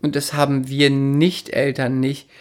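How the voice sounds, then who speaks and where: Low-voiced, blunt, teasing woman. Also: level tone, measured pace. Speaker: podcast co-host. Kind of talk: casual chat.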